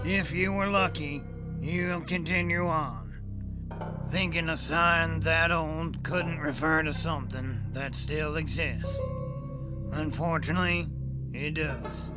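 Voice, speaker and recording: An actor playing a folksy, ominous narrator who lures the listener onward in a deliberate audio drama introduction. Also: male voice, a little high. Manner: deliberate, foreboding, folksy phrasing.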